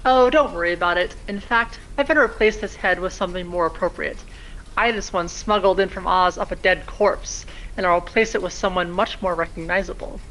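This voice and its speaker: A woman's voice: lowish voice, fairly quick, fairly bright tone, a little hiss or hum, natural voice, low-quality recording. A woman playing a vain, haughty, irritable princess, imperious and dismissive, in an audio drama. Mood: breezy, imperious.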